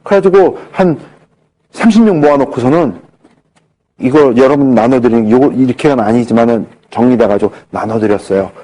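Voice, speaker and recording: A man's voice: medium pitch, brisk. A middle-aged man giving a health lecture, telling stories and acting out the dialogue in them. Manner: animated, acts out dialogue in his anecdotes.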